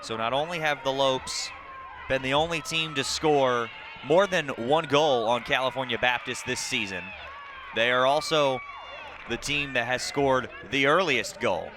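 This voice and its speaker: A man's voice: medium pitch, a little slow. Male soccer play-by-play over crowd noise. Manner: short clipped calls of the action mixed with statistical recaps. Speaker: play-by-play sports commentator. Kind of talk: live TV soccer commentary. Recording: clearly noisy outdoor broadcast with crowd ambience. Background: crowd and outdoor ambient noise.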